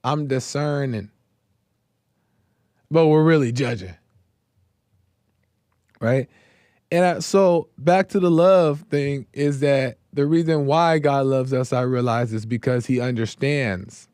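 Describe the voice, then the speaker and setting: A man talks slowly and thoughtfully about faith, circling back to his points with pauses and filler words. His voice is wearing thin and a little hoarse. The sound is close and dry, with no room echo. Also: medium pitch, a little mellow. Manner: slow, reflective, with many fillers and repeated phrases. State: voice going hoarse. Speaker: host of a live call-in faith show. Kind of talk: casual devotional talk.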